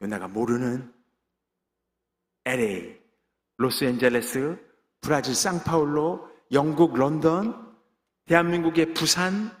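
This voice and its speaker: A middle-aged man delivers a testimony sermon with a fairly high voice, driving each point home and sealing it with an amen. The church sanctuary around him rings with a long reverb. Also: measured pace, pauses often. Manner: emphatic preaching with frequent amens and call-and-response. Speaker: pastor giving testimony.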